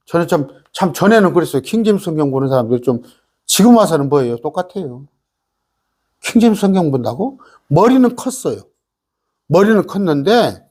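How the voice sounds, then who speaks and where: A man's voice: on the high side, darkish tone, slightly rough. A man preaching a sermon as pastor, emphatic and full of rhetorical questions and "eh?" asides.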